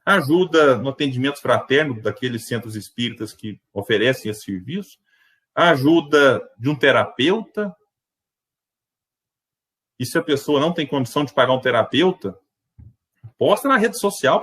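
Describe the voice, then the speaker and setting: A man's voice: medium pitch, normal speed. A man giving a spiritist lecture online, telling anecdotes in a conversational, reflective way and voicing the characters in his stories. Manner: animated, tells anecdotes and voices the characters in quotes. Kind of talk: virtual religious lecture with storytelling.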